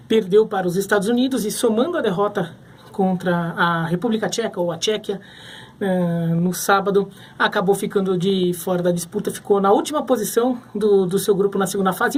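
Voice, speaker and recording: A man from Brazil giving casual sports commentary to camera, thinking aloud with frequent restarts. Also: high voice.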